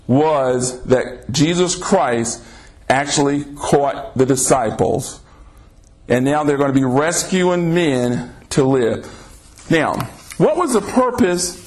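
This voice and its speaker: A man preaching a sermon on a podcast, reading scripture aloud and pressing listeners with rhetorical questions. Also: slight background noise. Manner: slow, emphatic delivery with sudden pitch swings.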